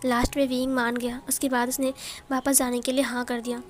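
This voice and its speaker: High-voiced woman retelling a story. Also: little pitch movement, fairly quick, soft background music. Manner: chatty, explanatory. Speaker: story narrator.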